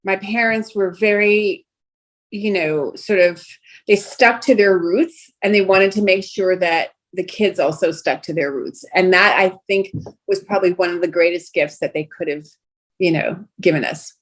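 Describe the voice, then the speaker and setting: A middle-aged woman from Brooklyn talks in a slightly low voice. Her was Greek. She chats loosely as an interview guest, full of "you know" and restarts. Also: moderate pace. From Brooklyn, New York. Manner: chatty, many fillers and restarts. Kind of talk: casual interview chat.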